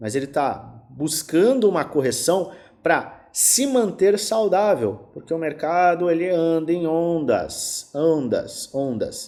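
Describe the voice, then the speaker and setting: In a Brazilian accent, a man speaks at a very slow pace with hardly any pauses. His pitch is high, his tone dark and mellow, and his intonation lively. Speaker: crypto investment youtuber. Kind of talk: market analysis tutorial. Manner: slow, detailed explanation.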